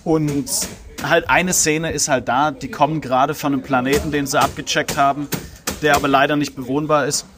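A man's voice: fairly high pitch, level tone, moderate pace, over music. Chatty man retelling a film. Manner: rambling, many fillers, laughs easily. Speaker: podcast co-host. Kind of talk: casual chat.

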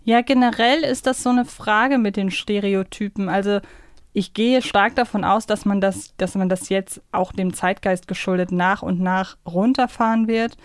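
A woman's voice: medium pitch, steady tone, moderate pace, smooth, dry recording, clean studio sound. A woman chatting casually as a podcast co-host.

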